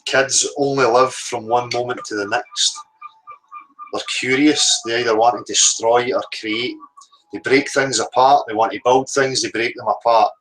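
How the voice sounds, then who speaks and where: Northern Irish man, slow musing host. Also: medium pitch, steady tone, a bit bright, a little hiss or hum, low-quality recording. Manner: rambling and reflective, with casual swearing. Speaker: live-stream host. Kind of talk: casual live-stream monologue.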